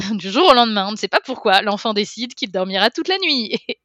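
A woman talks at a fairly quick pace with a bright, sharp tone and a medium pitch. Her pitch varies in an ordinary way, and the sound is dry and close with no echo. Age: 30s. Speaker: law lecturer and researcher. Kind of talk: casual interview.

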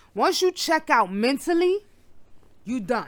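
A woman speaks with lively intonation. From New York City (Harlem). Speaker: podcast co-host. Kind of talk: casual chat.

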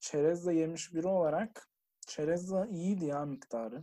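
A woman speaks at a moderate pace in a fairly low voice. Her pitch rises and falls in an ordinary way. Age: young. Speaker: podcast host. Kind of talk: casual chat.

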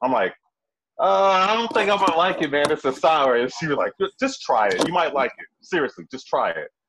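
At a fairly quick pace, a man with an American accent speaks at a high pitch with very wide pitch swings. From Jacksonville, Florida. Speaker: craft beer group founder. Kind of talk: casual interview chat.

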